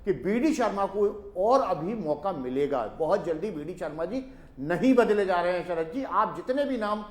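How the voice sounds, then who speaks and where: A man speaking as a journalist on a TV panel, giving calm political analysis. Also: sits high, roomy sound. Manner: measured, addresses the host by name often.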